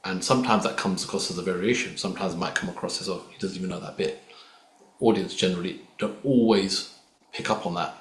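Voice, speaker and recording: Deep-voiced man in an echoey room. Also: quick pace. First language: not Hindi or Urdu. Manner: reflective, easygoing, uses sports comparisons. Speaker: singer, podcast guest. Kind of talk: casual conversation. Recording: echoey room with faint ambient noise.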